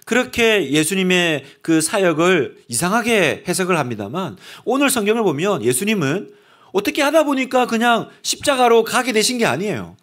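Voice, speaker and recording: A man delivers a Sunday sermon from a church pulpit, his voice pitched high for a man. His delivery is animated, with wide swings in pitch as he acts out the voices of the people he quotes. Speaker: pastor. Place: church sanctuary.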